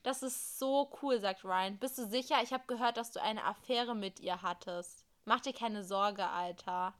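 A woman's voice: medium pitch, normal speed, a bit bright. A woman co-hosting a podcast, reading an interactive story game aloud with casual asides.

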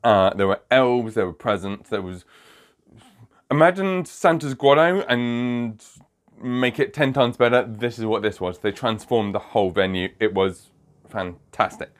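At a measured pace and in a mid-range voice, a magician hosting his own podcast casually recounts a funny story. He's chatty, laughs frequently and keeps digressing.

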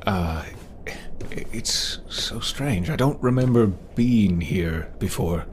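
An actor playing a dazed, wistful fantasy adventurer, speaking hesitantly in a horror audio drama. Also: male voice, lowish voice, lively intonation, slow, darkish tone, a little hiss or hum. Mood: puzzled, wry. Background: music.

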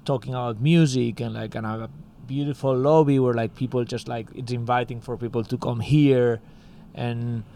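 A man's voice: medium pitch, steady tone, normal speed, creaky, hardly any pauses, warm tone. A man from Spain with a Spanish accent, chatting casually as a music school co-founder and filling his talk with "like" and "you know". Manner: rambling, heavy use of "like" and "you know". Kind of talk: casual interview chat.

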